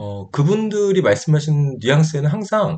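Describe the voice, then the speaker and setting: A man speaks in a somewhat breathy voice that is fairly high in pitch. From South Korea. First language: Korean. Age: middle-aged. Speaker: English teacher YouTuber. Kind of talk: reading aloud; tutorial. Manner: halting, many fillers.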